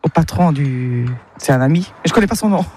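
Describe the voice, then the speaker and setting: A woman who grew up in Luxembourg, chatting cheerfully in a casual radio street interview, laughing easily and pausing on fillers. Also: low-pitched, lively intonation, darkish tone, slight background noise. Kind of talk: casual radio vox-pop chat.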